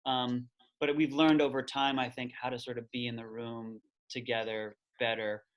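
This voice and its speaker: A man's voice: medium pitch, little pitch movement, muffled recording. A man who is a playwright, chatting casually on a video call and poking fun at himself. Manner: rapid, self-deprecating, quotes himself. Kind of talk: casual interview chat.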